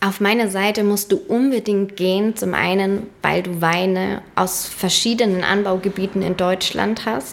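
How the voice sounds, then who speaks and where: A woman with a slight Franconian accent at a medium pitch, a fairly slow pace with hardly any pauses and fairly even intonation, against noticeable background noise. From Lower Franconia, near Würzburg. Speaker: winemaker and wine shop founder. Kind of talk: interview. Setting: studio, sitting across the table.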